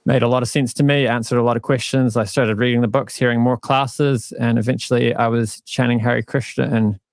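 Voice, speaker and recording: A man with a New Zealand accent, a guest calmly explaining his faith with dry self-mocking humor over a live-stream call. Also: mid-range voice, a little fast, no echo. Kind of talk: casual interview talk.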